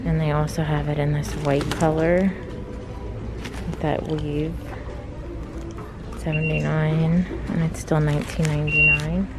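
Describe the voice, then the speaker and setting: A woman with a low, even voice walks through a big store narrating what she finds. Her tone stays flat and steady as she reels off prices. Background store noise comes through the phone mic. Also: a little slow, pauses often. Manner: low-key, steady price-listing commentary. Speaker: shopping vlogger. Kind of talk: casual shop-with-me narration. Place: large retail store, indoors. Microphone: handheld phone camera. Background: store ambience noise.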